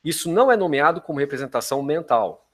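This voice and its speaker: Brazilian man lecturing, halting and didactic. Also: on the high side, lively intonation, a bit bright. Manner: didactic, frequent check-in questions to listeners. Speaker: professor giving a lecture. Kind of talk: academic philosophy lecture with informal asides.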